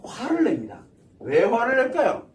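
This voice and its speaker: A man's voice: extremely high pitch, wildly swooping pitch, moderate pace, distant mic. A man giving a psychology lecture to an audience, asking rhetorical questions and answering them himself.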